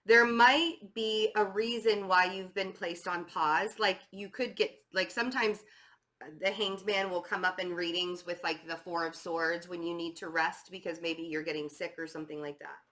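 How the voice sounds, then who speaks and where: Hoarse, stuffy-voiced woman tarot reader. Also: lowish voice, fairly even intonation, normal speed, sharp tone. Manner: chatty, many fillers and restarts. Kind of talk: casual tarot reading.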